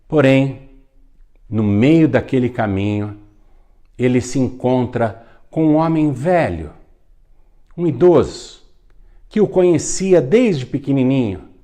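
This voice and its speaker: A pastor narrating a story during a sermon, in a dramatic, emphatic manner. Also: male voice, mid-range voice, expressive, slow pace, pauses often, mellow.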